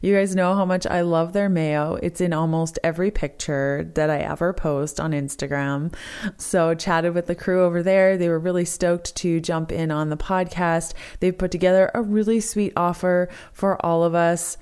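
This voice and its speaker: Hoarse, upbeat woman podcast host. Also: on the low side, steady tone, normal speed, a little mellow. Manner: upbeat and enthusiastic. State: hoarse, lost her voice. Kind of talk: solo podcast chat with sponsor reads.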